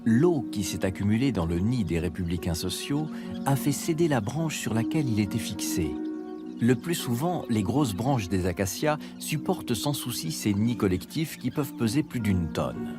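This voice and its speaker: A man's voice: lowish voice, animated, normal speed. A man reading scripted narration for a nature documentary, with music behind him. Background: background music.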